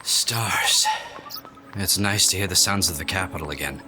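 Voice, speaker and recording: A man's voice: sits low, normal speed, over loud music, natural voice. A man playing a protective, frank companion in an audio drama, earnest and familiar. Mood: relieved.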